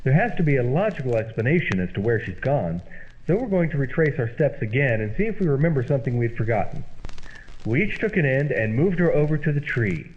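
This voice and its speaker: A man playing an exasperated, bossy flatmate in an old-time radio comedy, sarcastic and blustering. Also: mid-range voice, a little fast, lightly acted. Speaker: comedy double-act performer. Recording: dull old-time radio sound, faint hiss.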